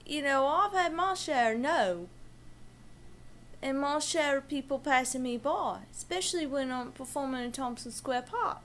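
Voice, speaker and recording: Woman playing a pompous old living legend, high-pitched. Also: measured pace. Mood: boastful. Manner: pompous, excitable. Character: grandiose, aged self-styled living legend of the stage. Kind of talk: comedic character monologue.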